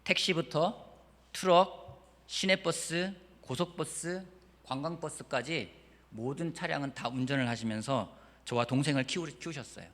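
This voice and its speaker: Male pastor, lively storytelling sermon, bright higher voice, long church-hall reverb. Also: measured pace. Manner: lively storytelling preaching, swings from quiet to emphatic. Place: church sanctuary.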